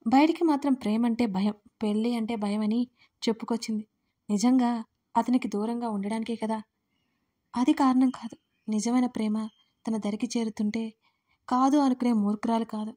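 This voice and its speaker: A woman narrating an audio drama series in steady, emotive storytelling. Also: fairly high pitch, normal speed, pauses often.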